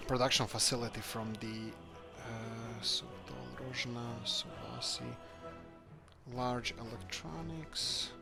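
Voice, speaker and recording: A man from Croatia, hosting a let's-play game video and thinking aloud as he builds, often searching for words. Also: medium pitch. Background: background music.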